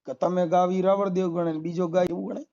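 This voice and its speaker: A man's voice: high voice, level tone, quick pace, mellow. Insistent Gujarati man arguing, muffled phone recording. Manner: insistent, combative, repeats points with rhetorical questions. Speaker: debater on a phone call. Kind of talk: heated argument over the phone.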